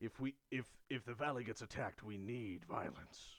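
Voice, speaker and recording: Using a raspy, put-on character voice, a man speaks in a medium pitch. His pace is moderate, and his pitch variation is ordinary. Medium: actual play. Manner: hesitant, stammering.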